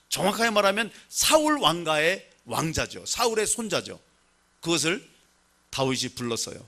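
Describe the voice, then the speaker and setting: Male preacher, sermon delivery; bright tone, wide swooping pitch, expressive storyteller. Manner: animated storytelling preacher, leads congregation in reading. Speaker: pastor.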